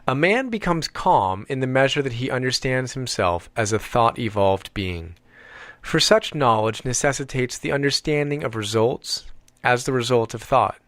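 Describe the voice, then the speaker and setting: A man reading an audiobook as scripted narration, with measured, deliberate phrasing and emphatic pauses. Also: mid-range voice, fairly bright tone, no room sound.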